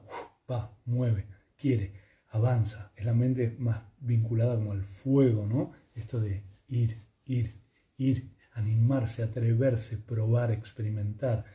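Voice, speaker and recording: Rioplatense guy teaching yoga stuff, really dark warm voice, calm, takes his time. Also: medium pitch. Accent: Rioplatense Spanish. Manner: calm, gentle, unhurried with pauses. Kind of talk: reflective spoken lesson.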